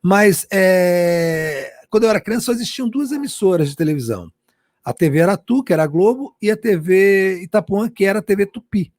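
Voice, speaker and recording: Guy with a high voice, dry close sound, fired up, keeps restarting his sentences. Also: animated, brisk, a little mellow, no echo. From Brazil. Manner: passionate, many restarts and repeated words. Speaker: journalist guest. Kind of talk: interview answer.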